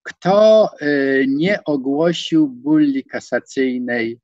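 A man in his sixties giving an online lecture from a home study, hesitating with many fillers and stressing words with rising pitch. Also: expressive, slow pace, darkish tone, no room sound. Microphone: video call. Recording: dull, dry video-call audio.

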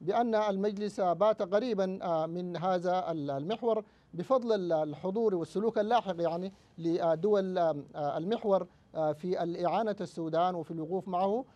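A man from Sudan, a political science professor, gives formal news analysis over a bad remote connection, halting with many drawn-out fillers. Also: sits high, warm tone. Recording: muffled lo-fi remote line.

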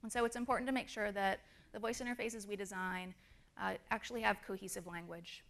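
A woman's voice: medium pitch, steady tone, a little fast, a bit bright. A woman speaker at a design conference, explaining her points with fillers and demonstrating intonation. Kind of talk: conference talk. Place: conference stage.

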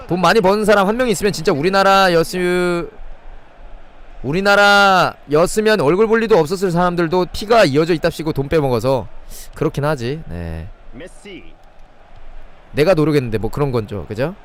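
Streaming a football video game, a young man gives excitable play-by-play at a moderate pace in a fairly high voice. Between plays he chats with his viewers.

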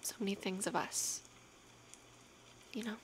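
A young adult woman speaking softly, often half-whispering, in a casual, intimate girlfriend roleplay with a slightly hesitant delivery. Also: medium pitch, unhurried. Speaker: ASMR roleplay performer playing an affectionate girlfriend. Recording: clear background noise, rainy night ambience. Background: rain ambience.

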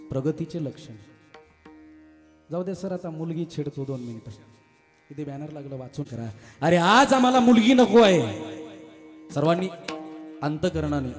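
Man kirtan preacher, fairly high voice, impassioned, echoey hall, instruments behind. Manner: impassioned, swings from soft talk to loud chanting. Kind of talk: devotional kirtan sermon.

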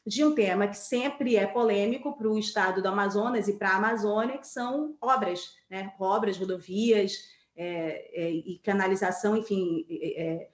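Casting note: Brazilian woman columnist in her thirties, mid pitch, echoey webcam sound, hesitant live commentary. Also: normal speed. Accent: Brazilian Portuguese. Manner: thinks aloud with many fillers and restarts. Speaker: political columnist. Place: home office with map on wall. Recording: echoey room.

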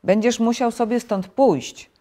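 A woman voicing a cheerful, eager young male frog with bright exclamations. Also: on the high side, measured pace, pitched above the performer's own voice, natural voice.

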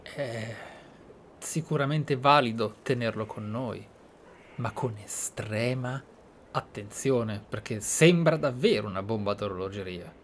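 An Italian man doing casual let's-play commentary in a medium-pitched voice. He talks reflectively in short, broken-up phrases, with clear game ambience behind him. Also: a little slow, a little hiss or hum. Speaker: gaming YouTuber.

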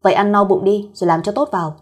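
Lady doing bossy young guy ceo in a fireside storyteller audio story, curt, kinda husky. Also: medium pitch, fairly even intonation, fast talker, natural voice. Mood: curt, commanding. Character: bossy young male company boss, gruff but secretly caring. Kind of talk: acted dialogue in an audio story.

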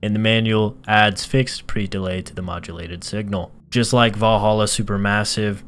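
Man, tutorial host, low voice, instructional delivery, speaks straight to viewers, music behind. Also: little pitch movement, moderate pace, a bit bright. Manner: instructional, addresses viewers directly. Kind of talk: explanatory software tutorial narration. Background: background music.

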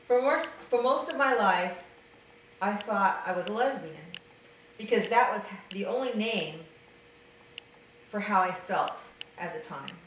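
Trans man vlogger, middle-aged, hesitant and halting, slightly raspy; slow delivery, echoey room heard from far off. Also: sits high, animated, fairly bright tone, slight background noise. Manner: hesitant, halting, many fillers and restarts. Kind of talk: casual personal video diary, then reading a letter aloud. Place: dim room indoors, seated in an armchair. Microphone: camera mic at a distance.

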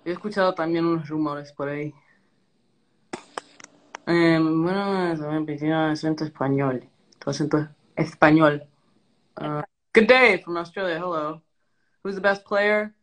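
A woman's voice: deep voice, measured pace, pauses often, rough recording. A woman in her thirties chatting casually on a phone live stream, reading out comments with loose, hesitant phrasing and switching between Spanish and English. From half Argentinian. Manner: relaxed, hesitant, many fillers, mixing Spanish and English. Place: small room indoors. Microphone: phone front camera, close.

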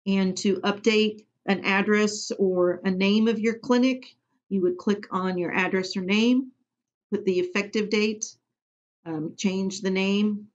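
A woman from Missouri training clinic staff in a screen-recorded software tutorial, giving plain step-by-step instructions with frequent ums. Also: medium pitch, steady tone, measured pace. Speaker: immunization program trainer. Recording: dull lo-fi audio.

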